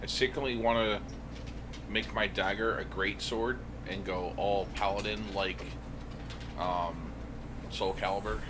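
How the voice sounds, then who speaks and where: A man's voice: fairly low pitch, fairly even intonation, unhurried, very noisy. A man in his thirties, a player joking around in casual chat on an online call. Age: 30s.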